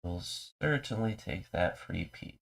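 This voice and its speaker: Streamer, male, low gravelly voice, stuffy from a cold, calmly narrates his moves. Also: slow pace. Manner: low-key, talks through his moves. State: mild cold, congested. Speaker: live streamer. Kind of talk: casual chess commentary.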